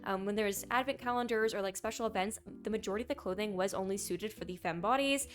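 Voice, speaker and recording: A young woman with a hoarse, raspy voice from a sore throat, chatting casually as a gaming news commentator and reading posts aloud. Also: medium pitch, fast.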